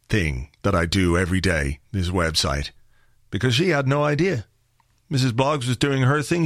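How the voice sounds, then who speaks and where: Irish male podcast host, slightly croaky, rambling and wry, dry booth sound. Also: mid-range voice, a bit bright, no echo. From Ireland. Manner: rambling, wry and chatty, with filler words. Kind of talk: casual solo podcast chat.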